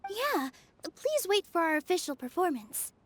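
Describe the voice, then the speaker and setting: An actress playing a gentle, earnest young female dancer, polite in every line. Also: very high-pitched, big pitch swings, moderate pace.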